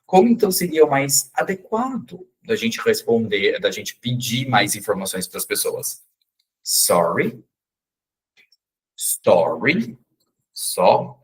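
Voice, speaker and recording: A man's voice: medium pitch, expressive, normal speed, few pauses, husky. A man teaching an English pronunciation class in a chatty, joking way, explaining sounds step by step. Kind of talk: casual online class.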